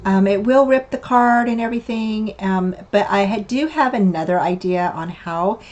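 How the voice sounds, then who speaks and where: Older woman, slightly hoarse, raspy from a cough, rambling craft narration, mid-pitched. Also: moderate pace, darkish tone, dull audio. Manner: chatty, meandering, with many fillers and restarts. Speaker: craft channel host. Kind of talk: casual craft tutorial narration.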